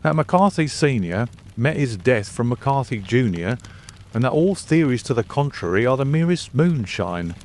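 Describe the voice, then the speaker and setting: A man's voice: mid-range voice, very animated, moderate pace, darkish tone, voice pushed up, lightly acted. A man voicing a stubborn, practical male police inspector in a storybook, emphatic and matter-of-fact. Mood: testy, stubborn. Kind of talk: storybook character dialogue.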